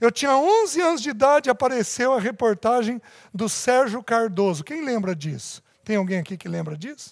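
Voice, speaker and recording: Very cleanly recorded against a silent background, a man speaks at a moderate pace with an extremely high pitch, lively intonation and big swings in loudness. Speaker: preacher. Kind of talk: sermon.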